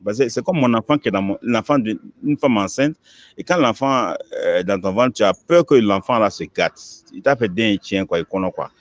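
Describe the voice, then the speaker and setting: A man's voice: on the low side, normal speed, no echo. A man, an imam, answering questions in an emphatic preaching manner, repeating words as he builds each point. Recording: dull lo-fi recording.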